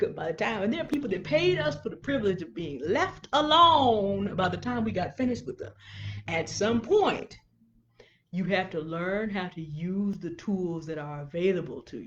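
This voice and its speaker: The voice is somewhat breathy and moves at a moderate pace. Its pitch swings very widely, and its loudness swings a lot. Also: woman, medium pitch for a woman. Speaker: author. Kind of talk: live stream reading and Q&A chat. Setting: Facebook live video. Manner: calm, controlled; conversational.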